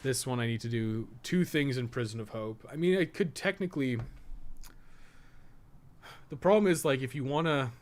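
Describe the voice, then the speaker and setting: A man's voice: mid-range voice, normal speed, pauses often, darkish tone. A man giving casual gameplay commentary, thinking aloud in a musing way, asking himself questions and trailing off into asides. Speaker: podcast co-host and game guide writer.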